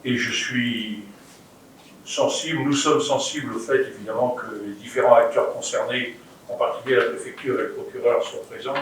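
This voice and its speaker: A man with a French accent making formal political remarks as a councillor, halting but pointed and emphatic. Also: mid-range voice, fairly even intonation. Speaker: local councillor responding at meeting. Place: indoor council meeting room. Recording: very echoey meeting room, distant mic, faint noise.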